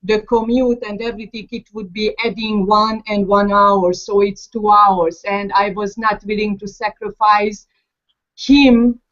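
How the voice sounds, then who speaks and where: A woman from Hungary with a clear Hungarian accent speaks at a mid pitch, pausing often with fillers. The video call audio is dull and lo-fi. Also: fairly even intonation, a bit bright. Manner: hesitant, many fillers. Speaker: guest mother. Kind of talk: casual call self-introduction.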